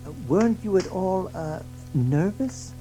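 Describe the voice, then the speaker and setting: A performer playing a mild, earnest, timid male mole in a children's audio story, speaking gently. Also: medium pitch, animated, a little slow, faint music behind, close to an everyday voice, rough recording. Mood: curious.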